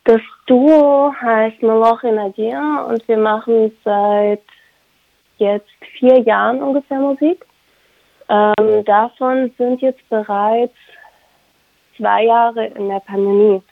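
A young woman, a Ukrainian native speaker from Germany, giving thoughtful interview answers as a singer and violinist, pausing to search for words. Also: on the high side, steady tone, creaky. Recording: dry, tinny phone-like line.

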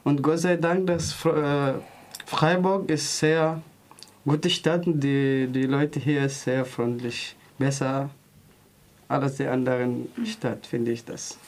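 A man from Sudan speaks very slowly as an interview guest. His pitch sits in the middle, and he takes his time over plain, simple sentences. His account is calm and measured. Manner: slow and deliberate, with simple phrasing. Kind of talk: casual personal account.

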